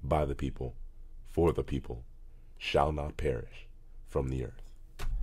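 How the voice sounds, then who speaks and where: Speaking at a fairly slow pace with long, frequent pauses, a man uses a very deep, low pitch, fairly even intonation and vocal fry. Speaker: voice actor. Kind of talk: historic speech reading. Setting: studio demo reel.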